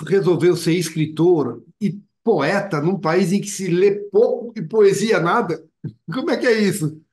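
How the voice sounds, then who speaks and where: A male interviewer with a voice pitched somewhat high for a man. He asks his questions briskly and cuts in now and then with short asides. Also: darkish tone. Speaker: interviewer, host.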